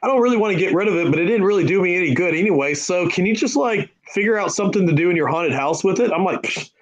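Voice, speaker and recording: A man's voice: high voice, animated, fast talker. A man from Texas, a guest author, telling a story in an easygoing casual chat.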